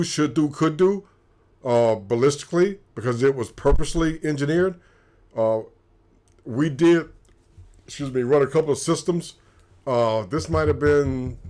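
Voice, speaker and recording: A man's voice: medium pitch, a little mellow. A man co-hosting a livestream, explaining things in a matter-of-fact way with frequent restarts. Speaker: co-host, former sniper. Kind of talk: casual explanatory livestream talk.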